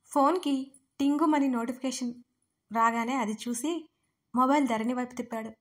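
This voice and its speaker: A woman storyteller giving an expressive, dramatic reading of a scripted audio story. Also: high voice, normal speed.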